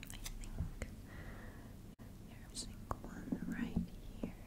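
A woman whispers softly. Her pace is very slow. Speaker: ASMR creator. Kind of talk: soft-spoken ASMR chat. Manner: soft close-mic ASMR whisper. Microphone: studio mic.

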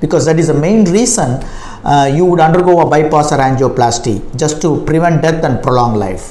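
Audible room echo around a man's fairly quick delivery. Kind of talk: educational talk to camera. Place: office. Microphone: lapel.

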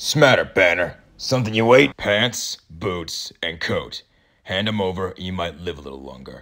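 A man does a put-on character voice that is raspy and fairly low-pitched, with big swings in loudness. His intonation is lively and his pace moderate. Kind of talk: comic dub voice acting. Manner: grim, terse, weary.

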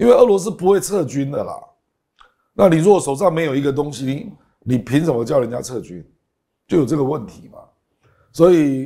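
Over a quiet background, a man speaks at a fairly high pitch in a dark, mellow tone with lively intonation. His loudness swings widely, and he pauses often and at length. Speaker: political commentator. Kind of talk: talk show panel discussion. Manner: explanatory. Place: studio. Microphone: lapel.

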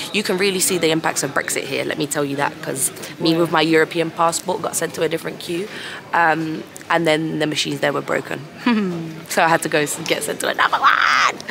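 A woman talks at a very fast pace in a fairly low pitch, with fairly even intonation. Noticeable background noise is present. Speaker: travel vlogger. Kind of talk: casual vlog chat. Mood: annoyed but playful. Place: station. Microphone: phone near.

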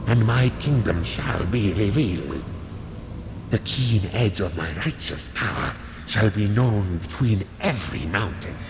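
Loud background noise fills the clip. The speech moves at a fairly slow pace. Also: man, fairly low pitch for a man. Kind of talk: audio drama acting. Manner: grandiose, megalomaniac.

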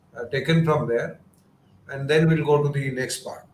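Somewhat breathy, a man talks with a fairly high voice. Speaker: hospital head. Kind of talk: panel discussion. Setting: video call.

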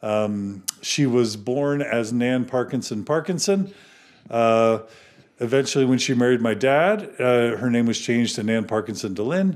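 The pace is fairly slow. Behind the voice, the background is quiet. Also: man. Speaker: podcast host. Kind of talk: podcast introduction. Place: studio. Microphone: studio mic.

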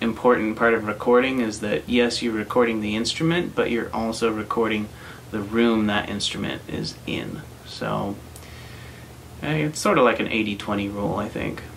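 With fairly even intonation, a man talks at a moderate pace over light background noise. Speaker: recording engineer vlogger. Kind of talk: tutorial. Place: studio.

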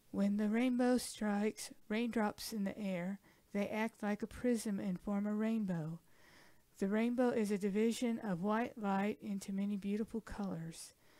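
A woman speaks at a fairly slow pace with fairly even intonation and a dark, mellow tone. The sound is dry with no echo and the background quiet. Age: 60s. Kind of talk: standard reading passage. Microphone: headset.

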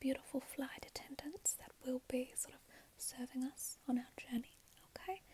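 Whispered words from a woman, delivered at a moderate pace. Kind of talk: ASMR-style roleplay. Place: home room. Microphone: earbuds.

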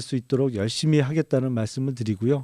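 A dark, mellow tone with ordinary pitch variation comes through in a dry, close sound with no echo. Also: man. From South Korea, Suwon. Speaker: member of parliament, former prosecutor. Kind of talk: radio interview.

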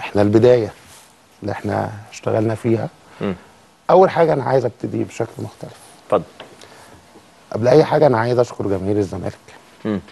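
A man's medium-pitched voice, very fast, with lively intonation and long, frequent pauses. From Egypt. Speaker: football club board member; guest. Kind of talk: TV interview. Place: studio. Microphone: lapel.

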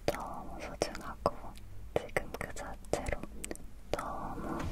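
A woman is whispering. Her pace is very slow. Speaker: ASMR creator. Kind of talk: soft-spoken comforting talk to viewer. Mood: warm, consoling. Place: home room.

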